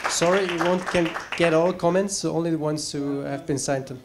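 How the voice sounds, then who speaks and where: A man moderating a public debate, briskly and apologetically keeping time and cutting off comments. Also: a little high, fairly even intonation, crowd noise. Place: debate hall with audience. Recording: crowded hall with noisy background.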